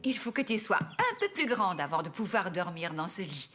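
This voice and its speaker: A woman's voice: on the low side, very animated, moderate pace, fairly bright tone. A woman voicing a kindly, patient grandmother in a French children's cartoon. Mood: soothing.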